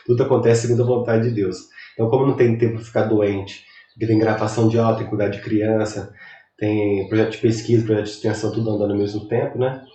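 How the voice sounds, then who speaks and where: Sniffly Brazilian lecturer in an echoey room. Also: male voice, on the low side, flat delivery, fast talker, warm tone, far from the mic. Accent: Brazilian Portuguese. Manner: rambling, conversational, chatty asides. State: recovering from a cold, sniffly. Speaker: university lecturer. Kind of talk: recorded online lecture.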